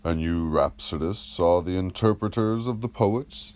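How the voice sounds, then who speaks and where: A man reading the part of a probing, measured philosopher in an audiobook of a classical dialogue, teaching through rhetorical questions. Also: sits low, a little mellow.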